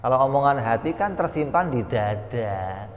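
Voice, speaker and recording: A man giving a slow, explanatory religious study lecture, now and then voicing sound effects for his examples. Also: medium pitch, expressive. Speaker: religious teacher. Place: pesantren study hall. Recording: echoey hall with long reverb.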